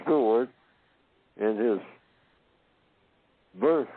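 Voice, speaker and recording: A man from Oklahoma giving a slow philosophical talk, asking himself questions and answering them, and repeating phrases to build his point. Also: mid-range voice, dry recording. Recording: tinny phone-line audio.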